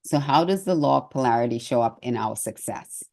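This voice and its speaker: A woman's voice: rumbling low, expressive, fairly quick, creaky, warm tone. A middle-aged woman giving an earnest, conversational motivational talk as a success coach, with hesitant restarts.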